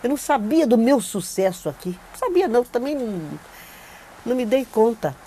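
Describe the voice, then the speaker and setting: A woman's voice: a little high, expressive, a little fast, warm tone, slight background noise. An older Brazilian actress recalling her career in a seated studio interview, telling it animatedly with emphatic repetition, recorded on a lapel mic. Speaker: veteran actress giving a testimony. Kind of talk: recorded oral-history interview. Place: indoor studio against a plain backdrop. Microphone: clip-on lapel mic.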